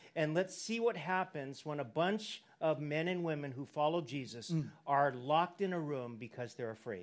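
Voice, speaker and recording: With lively intonation and a fairly high pitch, a man speaks at a fairly slow pace. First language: English (speaking Japanese). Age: 60s. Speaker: pastor. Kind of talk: sermon.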